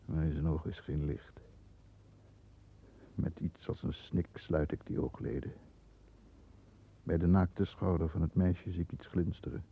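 An actor playing a tense, calculating London lawyer who narrates his own dark thoughts in a deliberate, dramatic 1960s radio play style. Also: rumbling low, fairly even intonation, gravelly, breathy edge, exaggerated voice. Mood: shaken, grim. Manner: dramatic, deliberate, halting under strain. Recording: dull lo-fi 1960s radio recording.

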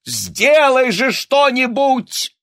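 A shrill, melodramatic old countess, put on by a man reading. She wails and gasps her words in high-strung bursts, every sentence a small catastrophe, in a dry, close sound. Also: lively intonation, drawn-out words, fairly bright tone, no room sound, full character voice. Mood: shrill hysterical. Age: older. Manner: wailing, breathless, melodramatic exclamations. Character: hysterical aging countess mother, shrill and dramatic.

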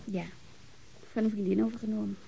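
An actress playing a gentle, independent eighteen-year-old daughter with a Netherlands Dutch accent in a radio drama, affectionate, frank and coaxing, with faint hiss. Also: female voice, medium pitch, level tone, fairly quick, vocal fry, husky, rough recording. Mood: tender, teasing.

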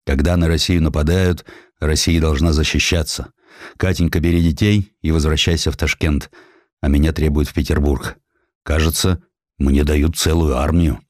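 Male narrator as a burly gruff army general, low voice, blunt soldier talk, dry audiobook sound. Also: fairly even intonation, normal speed, no room sound. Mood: resolute. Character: burly, gruff, forthright middle-aged cavalry general, a man.

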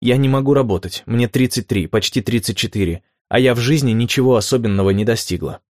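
A man's voice: medium pitch, quick pace, darkish tone, no room sound, studio quality, natural voice. A man reading as a resilient thirtyish woman. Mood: calmly upbeat. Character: upbeat, resilient woman in her early thirties.

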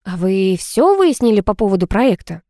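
A woman's voice: medium pitch, very animated, moderate pace, dark tone, no room sound. A woman voicing a curious, chatty young woman student who keeps asking questions, in a dry recording. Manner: eager, questioning.

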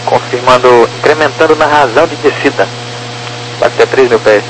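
A male air traffic controller with a Brazilian accent gives procedural instructions over the radio. His mid-pitched voice comes through a transmission with clear hum and noise. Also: moderate pace. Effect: aviation radio transmission. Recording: noisy aviation radio with hum.

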